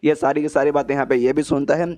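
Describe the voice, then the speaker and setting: Fast-talking young man retelling a comic. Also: fairly high pitch, flat delivery, a little mellow. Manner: rapid, slangy, voices characters' insults in plain voice. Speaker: manhwa recap narrator. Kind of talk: casual storytelling recap.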